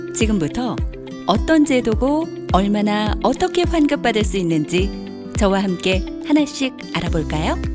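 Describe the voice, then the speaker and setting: Music can be heard in the background. A woman talks at a fairly slow pace over it. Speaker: announcer. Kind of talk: public information explainer narration. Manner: clear, friendly.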